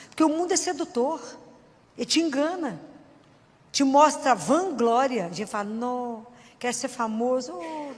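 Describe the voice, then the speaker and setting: Earnest high-voiced woman preaching in a hall. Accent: Brazilian Portuguese. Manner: earnest, emphatic, conversational preaching. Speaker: Catholic preacher. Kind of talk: sermon.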